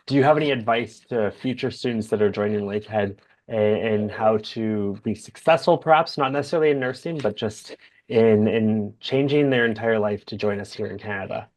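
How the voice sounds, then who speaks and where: A man's voice: fairly low pitch, fairly quick, a little mellow. Young man hosting a webcam interview. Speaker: host. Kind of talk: video call interview. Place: home office. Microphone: video call webcam.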